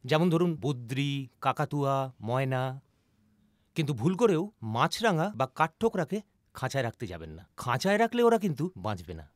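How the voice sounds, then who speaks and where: An actor playing a polite, educated male guest in a film drama, gently enthusiastic and sprinkling in English phrases. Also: mid-range voice, big pitch swings, normal speed, no echo, lightly acted. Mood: polite explaining. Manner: courteous, English phrases mixed in.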